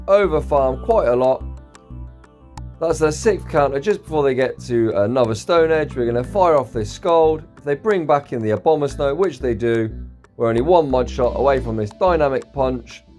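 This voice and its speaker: A man giving gameplay commentary for his video channel, tired and a little croaky, explaining each move in a steady play-by-play. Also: medium pitch. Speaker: YouTube creator.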